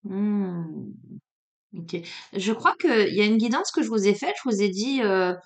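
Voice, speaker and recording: Slow, unhurried woman with a southern French accent. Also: mid-range voice, lively intonation, creaky. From Marseille, France. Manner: hesitant, many fillers, drowsy and unhurried. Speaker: card reader. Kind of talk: casual oracle card reading.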